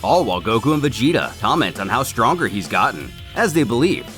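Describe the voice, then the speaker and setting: A man's voice: medium pitch, big pitch swings, a little fast. A man narrating a scripted story recap in the manner of a dramatic retelling, with music behind him. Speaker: narrator of a fan comic series.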